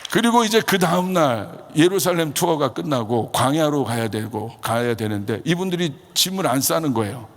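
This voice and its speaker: A man's voice: on the high side, moderate pace, hardly any pauses, a little hiss or hum. A male pastor telling a story in a sermon, acting out the voices of the people in it. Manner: animated, acts out quoted voices. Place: large church hall. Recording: echoey church hall with long reverb.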